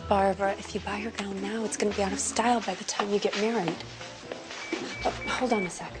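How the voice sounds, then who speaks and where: An actress playing a brisk, politely firm wedding planner in a romantic comedy film. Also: female voice, mid-range voice, fairly even intonation, loud music behind the voice, lightly acted. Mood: harried.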